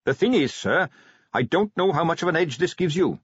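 A man's voice: on the high side, animated, brisk, slightly rough, dry recording, pitched above the performer's own voice. A man playing an eager young watch captain. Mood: earnest. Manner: eager, respectful, keeps saying sir. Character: earnest polite young male watch captain. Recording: dry, slightly dull lo-fi sound.

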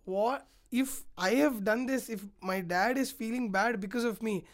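A woman's voice: a little high, normal speed, natural voice. A woman voicing an earnest young prince.

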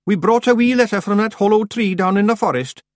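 A man's voice: high voice, a little fast, no echo, studio quality, voice pushed up, lightly acted. A man voicing a boastful, rambling little fairy clansman with a Scottish accent in a storybook. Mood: brisk. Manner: blustering, rambling, emphatic. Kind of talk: acted storybook dialogue.

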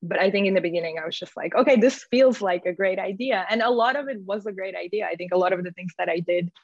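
Woman, gravelly fry, informal interview talk, rambling phrasing, slightly dull recording. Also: mid-range voice, fast. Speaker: guest, community founder. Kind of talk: conversational interview answers. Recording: echoey room, slightly dull audio.

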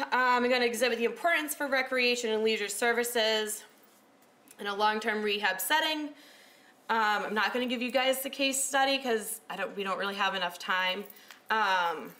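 A woman in her thirties giving a casual talk as a recreational therapist, loud-voiced and chatty with lots of fillers. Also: mid-range voice. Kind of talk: casual talk to a small audience. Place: room with a presentation screen.

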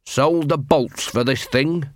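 A man's voice: fairly high pitch, slow, dry recording. A man voicing a scrawny, cocky watch corporal in a storybook, swaggering and snappy with mock-official menace. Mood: sly menace.

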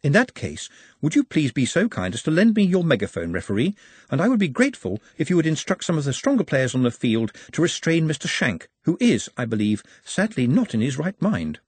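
A man voicing a polite, precise male orc who stays menacingly calm and speaks in formal, pedantic phrases. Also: a little high, fairly quick, breathy edge, no echo, pitched above the performer's own voice, full character voice. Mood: courteous.

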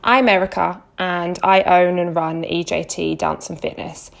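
Gravelly-voiced English woman from Essex. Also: lowish voice, level tone, unhurried. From Essex, England. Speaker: podcast host. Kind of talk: scripted solo podcast intro.

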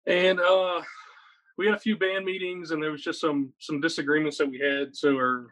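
Guest, male, 30s, from Virginia, slightly higher voice, energetic and rambling. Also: normal speed, low-quality recording. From Virginia, USA. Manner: energetic, rambling, lots of "like" and "right?". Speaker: guest, metal guitarist. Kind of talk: casual interview chat.

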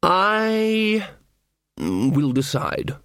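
A man voicing a huge, weary, lordly antlered god with a smooth, rich voice and a slow, condescending drawl, in a storybook reading. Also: high voice, sing-song, fairly bright tone, no room sound, studio quality, pitched above the performer's own voice, full character voice. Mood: weary menace.

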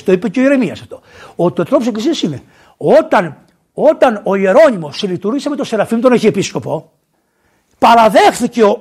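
Male priest, sermon in a church, high voice, husky tone, rhetorical questions. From Greece. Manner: animated, scolding asides and rhetorical questions.

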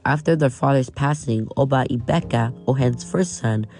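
A man's voice: mid-range voice, moderate pace, darkish tone, soft background music. A young man from Nigeria with an American accent, reading a scripted history podcast as its host and stumbling over some names. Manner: reads from a script with frequent restarts on names.

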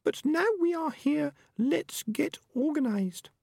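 A man voicing an earnest, organised young female rat in a storybook, with a small, thin falsetto and careful, polite manner. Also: expressive, slow, gravelly, darkish tone, no echo, clean studio sound, full character voice. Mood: polite, firm.

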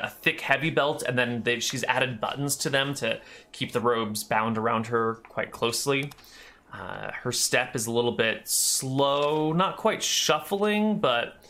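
A man narrating a tabletop game as game master, relaxed and descriptive with frequent fillers. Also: medium pitch.

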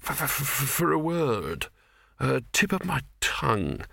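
A man's voice: mid-range voice, sing-song, unhurried, gravelly, pushed and bright, no room sound, clean studio sound, exaggerated voice. Man doing a dazed, stammering burnt alchemist. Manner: dreamy, stunned, stammering. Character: singed male alchemist, dazed and groping for words.

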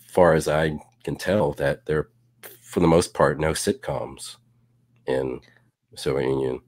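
A man's voice: rumbling low, no echo. A man co-hosting a casual live show, talking hesitantly with many restarts and fillers. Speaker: co-host.

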